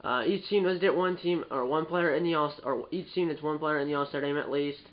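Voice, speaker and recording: A man's voice: fairly high pitch, steady tone, brisk. Young male gaming host, nasal from a cold, chatty and meandering, muffled home recording. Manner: rambling, restarts and fillers, self-correcting. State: stuffed up, nasal. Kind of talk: casual gameplay commentary.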